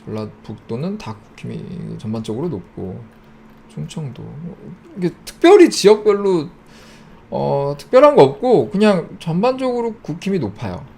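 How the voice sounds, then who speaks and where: A man hosting his own channel, casually walking through election figures on screen and listing regions in quick clipped phrases. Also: a little high, very animated, gravelly, warm tone, husky. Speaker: YouTube host. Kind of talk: casual screen-share data walkthrough.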